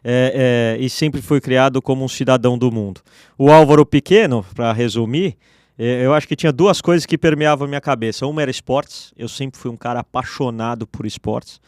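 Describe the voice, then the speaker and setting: A man, a radio guest telling his life story in a relaxed, personal way. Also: mid-range voice, fairly quick, clean tone, dry recording, studio quality. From Brazil. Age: 40s. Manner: relaxed, personal, with restarts and fillers. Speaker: guest, entrepreneur. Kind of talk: interview storytelling. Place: radio studio.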